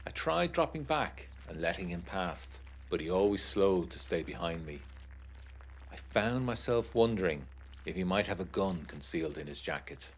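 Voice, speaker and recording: A man giving measured, brooding, literary first-person narration for a historical audio drama. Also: low-pitched, animated, slight background noise, low-quality recording.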